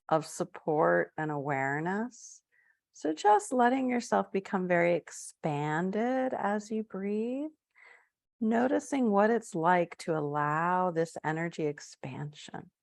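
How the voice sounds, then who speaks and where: A woman leading a live-streamed guided meditation, talking softly and gently with drawn-out phrases. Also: medium pitch, gravelly, no room sound, studio quality. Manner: soft, slow guiding with drawn-out phrases and fillers.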